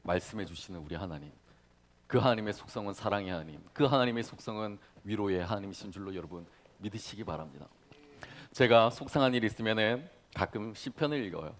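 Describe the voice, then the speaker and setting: A man in his thirties, a pastor preaching to young adults, dramatic in delivery, acting out prayers and swinging from hushed to loud. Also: on the low side, animated, fast. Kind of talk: sermon.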